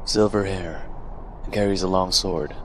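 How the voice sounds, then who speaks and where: Man voicing a deep, brooding young swordsman. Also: fairly even intonation, measured pace, a bit bright, a little hiss or hum. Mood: brooding, guarded. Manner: terse, guarded. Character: brooding young male swordsman, haunted and withdrawn. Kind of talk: game fan dub acting. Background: music.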